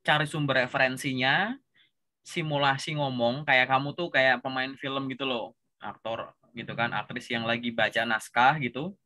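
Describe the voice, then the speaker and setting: A man with a Javanese accent giving a relaxed, chatty coaching session and tagging his sentences with filler words. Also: mid-range voice, normal speed. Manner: relaxed, chatty, says "gitu" constantly. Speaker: career coach.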